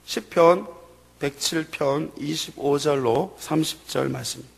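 A man's voice: on the high side, slow pace, gravelly, slightly rough. A man preaching a sermon as pastor, building to emphatic, raised bursts. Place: church sanctuary. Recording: long hall reverb.

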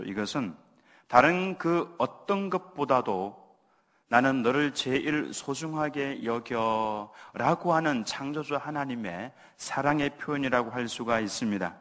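Male pastor, sermon delivery, mid-range voice, leads call-and-response readings, long hall reverb. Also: medium pitch. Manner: acts out gentle parental words softly. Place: church sanctuary.

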